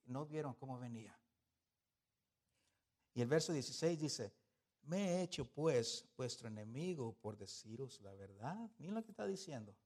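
This preacher has a husky, medium-pitched voice and speaks at normal speed. His sermon is spirited, moving between forceful emphasis and soft remarks, with rhetorical questions aimed at the congregation.

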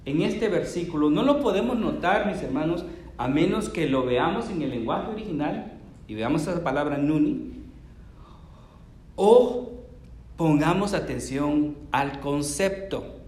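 A pastor delivers a sermon in an animated, emphatic way and keeps turning to his listeners with questions. His voice sits high for a man. The sound carries the roomy echo of a church space. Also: a little slow.

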